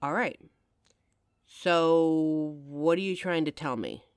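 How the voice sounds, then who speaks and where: A woman's voice: sits low, slow, no echo. A woman playing a caring young adult girlfriend in an audio roleplay, talking intimately and emotionally straight to the listener on a close mic. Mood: tender, reassuring.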